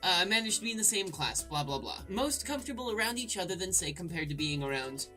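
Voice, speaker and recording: A woman let's play host with a bright, very animated voice over faint game music. She slides between reading aloud and irreverent, crude commentary. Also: lowish voice, fast. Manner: irreverent, crude, jokey asides.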